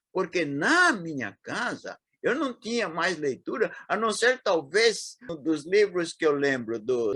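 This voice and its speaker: A man in his eighties with a São Paulo accent, reminiscing as an interview guest, talking haltingly with frequent restarts and fillers. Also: a little high, a bit bright, husky, no room sound, clean studio sound. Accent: Paulistano Brazilian Portuguese. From São Paulo, Brazil. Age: 80s.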